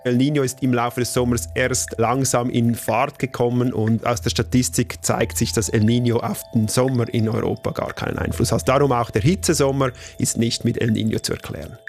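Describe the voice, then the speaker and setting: A man's voice: mid-range voice, fairly even intonation, brisk, hardly any pauses, a little mellow, faint music behind. A man explaining things as an expert in an interview.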